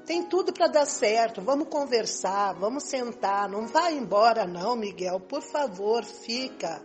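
An insistent, jealous Brazilian wife of many years, acted by an older woman. Her fairly high voice plays out a radio soap over clear background music. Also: expressive, measured pace. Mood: pleading. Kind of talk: amateur radio soap acting.

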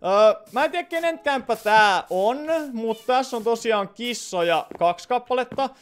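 High, clear-voiced man streaming a game. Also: expressive. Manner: rambling, chatty, reads viewer comments aloud; sudden startled outbursts. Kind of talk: live gameplay commentary.

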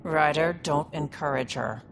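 A woman's voice: low voice, a little slow, slight background noise. A woman playing a tough, protective alien mercenary in a video game, speaking in a blunt, scolding, commanding way. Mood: stern, annoyed. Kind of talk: video game cutscene acting.

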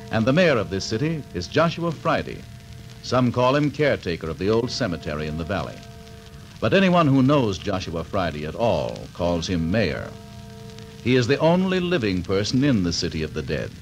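A man announcing and narrating a 1940s radio serial in a dramatic, measured scripted style. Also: fairly low pitch, very animated, soft background music, poor audio.

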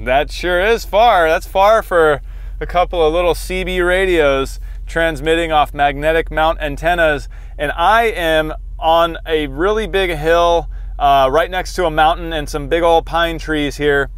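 A man's voice: fairly high pitch, unhurried, fairly bright tone, clean tone, no echo. A man in his forties hosting a casual product test, talking in a conversational way from inside a car. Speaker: host. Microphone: lapel mic.

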